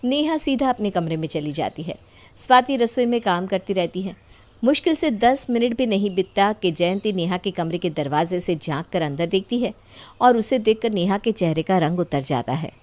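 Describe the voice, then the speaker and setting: A woman's voice: mid-range voice, lively intonation, moderate pace. A woman reading a scripted story as the storyteller.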